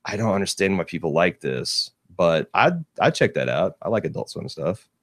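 Casting: low male co-host, loose jokey chat, bone-dry studio sound, curses a lot. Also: very animated, normal speed, no echo. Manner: joking, swears freely, laughs often. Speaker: podcast co-host. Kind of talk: casual chat while testing software. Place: small studio. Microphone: studio mic.

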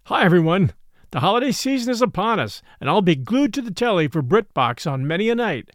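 A man's voice: sits high, big pitch swings, a little fast, no room sound, clean studio sound. A man hosting a podcast, reading a scripted promotional message.

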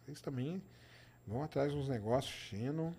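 A man's voice: medium pitch, moderate pace, dark tone, a little hiss or hum. A middle-aged Brazilian man with a Minas Gerais accent, hosting a science live stream and chatting casually with viewers. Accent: Minas Gerais Portuguese. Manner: chatty, informal, answers chat questions with tag "tá?". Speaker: science show host.

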